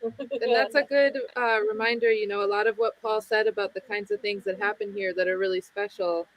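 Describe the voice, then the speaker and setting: A woman's voice: mid-range voice, fairly even intonation, a little fast, rough recording. A woman speaking casually and welcomingly as a member of a camp community.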